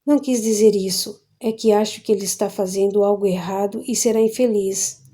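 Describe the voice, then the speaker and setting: A woman's voice: medium pitch, steady tone, a little fast, mellow, close to an everyday voice. A woman reading an audiobook, voicing a worried older father who pleads earnestly for his son. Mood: pleading.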